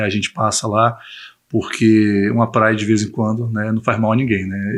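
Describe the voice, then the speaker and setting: Moderately paced, a man talks in a fairly low pitch. His intonation is monotone and flat. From Bahia, Brazil (Porto Seguro). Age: 40s. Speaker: visa consultancy business owner. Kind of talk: interview.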